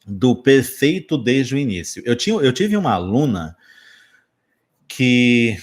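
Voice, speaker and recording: A Brazilian English teacher with a mid-range voice and Brazilian Portuguese accent talks through a casual spoken lesson. He's lively and joking, tossing in quick asides and correcting himself as he goes.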